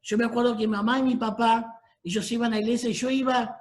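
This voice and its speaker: A man's voice: very high-pitched, little pitch movement, fast. A middle-aged man with a Rioplatense Spanish accent preaches a sermon as a pastor, telling his family's story. He calls on the congregation for amens between stretches of storytelling.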